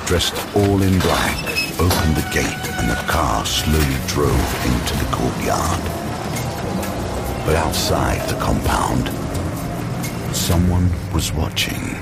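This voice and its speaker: A man narrating an action thriller audio drama in a scripted, dramatic style with measured pauses. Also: very deep voice, lively intonation, vocal fry. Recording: loud music bed. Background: loud dramatic music.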